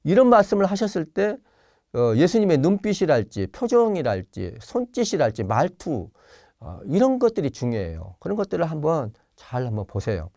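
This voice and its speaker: A Jeolla-born priest lectures over a video call, his pitch rising and falling with lively expression. He explains gently, pausing often with fillers, and slips into acted quotes. The sound is dry and close, with little room in it. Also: dry recording. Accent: Jeolla Korean. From Jeolla, Korea. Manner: gentle explaining tone with many pauses and fillers, acts out quoted lines. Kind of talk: online spiritual lecture.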